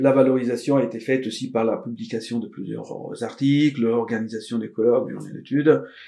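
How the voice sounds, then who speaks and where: A man talks at a fairly quick pace with a dark, mellow tone. His pitch is medium, with ordinary pitch variation. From Italy, Venetian mainland near Venice. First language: Italian (speaking French). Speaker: archivist and historian. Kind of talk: interview. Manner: hesitant, many fillers.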